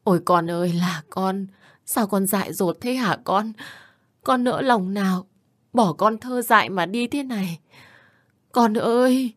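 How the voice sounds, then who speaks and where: Man putting on an older woman wailing, keening lament, very high voice, storybook voice. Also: a little slow, a bit bright, dry recording, clean studio sound. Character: older mother, wailing over her son's wife.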